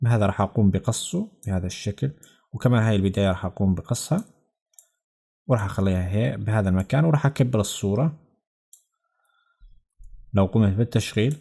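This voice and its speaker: A man with a Levantine Arabic accent narrating a software tutorial step by step in a conversational, explanatory way. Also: fairly low pitch, gravelly. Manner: conversational, explanatory, addressing viewers directly. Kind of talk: instructional screencast narration, step by step.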